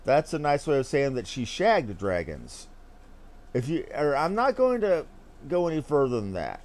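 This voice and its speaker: A man's voice: mid-range voice, wildly swooping pitch, moderate pace, darkish tone. A man giving casual, informal livestream commentary as he plays a game, with joking and some swearing. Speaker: game streamer.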